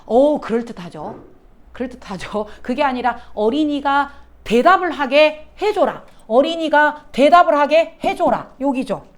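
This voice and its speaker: Animated high-voiced woman teacher. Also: measured pace. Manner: animated, quizzing students with rhetorical questions. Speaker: English teacher. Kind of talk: exam lecture.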